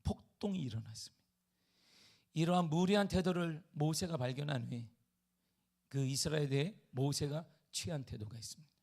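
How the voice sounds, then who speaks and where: A male pastor delivers an animated sermon in a slightly high, gravelly voice. He tells the story with acted-out voices, then slows right down to read scripture solemnly. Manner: animated preaching with acted-out quotes; slow solemn scripture reading.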